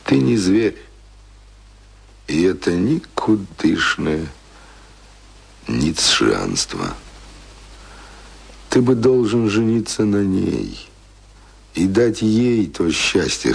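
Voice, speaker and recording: An actor in a radio play playing a brooding, weary man in love, speaking in a bitter, theatrical, gravelly way. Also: sits low, wildly swooping pitch, takes it slowly, pauses often, full character voice. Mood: anguished self-reproach.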